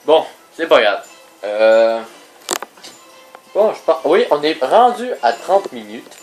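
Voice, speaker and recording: A man's voice: a little high, slow pace, faint music behind, rough recording. A man with a Québécois accent giving casual, joking commentary over his gameplay. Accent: Québécois French. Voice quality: lively, joking, mock sportscaster asides. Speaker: gaming video host. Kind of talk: casual let's play commentary.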